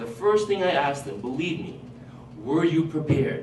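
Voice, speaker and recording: Over noticeable background noise and audible room echo, a man with a fairly high pitch talks at a fairly quick pace with lively intonation. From Portugal, raised in US from age seven. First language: Portuguese. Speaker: high school teacher. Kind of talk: public testimony. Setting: public hearing.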